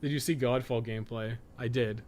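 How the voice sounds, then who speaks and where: A man's voice: mid-range voice, steady tone, a little fast, darkish tone. A man doing casual live game stream commentary, thinking aloud as he plays and swearing bluntly and often. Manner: blunt, heavily profane; rambling, thinking aloud while playing. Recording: noticeable background noise.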